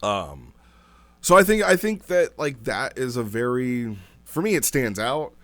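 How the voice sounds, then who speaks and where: A man's voice: mid-range voice, big pitch swings, unhurried, fairly bright tone, dry recording. A man giving a casual, off-the-cuff review as a host, thinking aloud and repeating phrases for emphasis. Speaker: host reviewing a text role-play.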